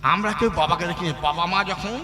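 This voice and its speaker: A man's voice: high voice, fairly quick. A man performing kobigaan, a folk poet-singer who moves between sung verses and spoken argument, putting questions straight to the audience. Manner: declaiming, swinging between sung lines and argument to the crowd. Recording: echoey hall, music behind.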